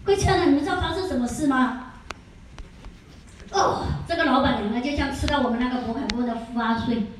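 A high-pitched woman gives a chatty sales seminar, laughing and firing questions at her audience. Her voice rings around a very echoey room. She sits far from the microphone, over a faint hum of ambience. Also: fast. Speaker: skincare sales consultant giving a seminar. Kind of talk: lively storytelling lecture.

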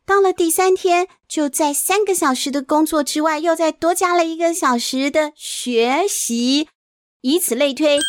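A woman's voice: on the high side, no room sound, clean studio sound. A woman narrating a children's storybook in a chatty way, stopping to explain things. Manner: chatty, explanatory asides with sentence-final particles. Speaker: storyteller, host. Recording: faint music behind the voice.

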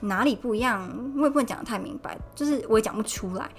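A woman's voice: on the high side, fast, faint music behind. A young woman from Taiwan hosting a casual solo podcast, chatty and retelling conversations. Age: young adult. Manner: chatty, recounts dialogue with animated quoted voices. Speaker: podcast host. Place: Poland.

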